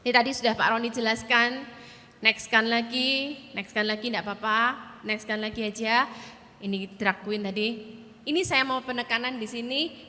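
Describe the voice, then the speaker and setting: A middle-aged woman, leading a church workshop and telling personal stories, animated and addressing the audience directly. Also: high-pitched. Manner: animated, often addresses the audience directly, mixes in English words. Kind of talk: conference teaching with personal stories. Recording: long hall reverb.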